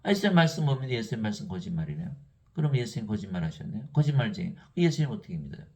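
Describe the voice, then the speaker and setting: An older man giving a Bible teaching sermon. He reads verses in an even recital tone and argues with exasperated rhetorical questions. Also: on the low side, racing. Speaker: lay preacher.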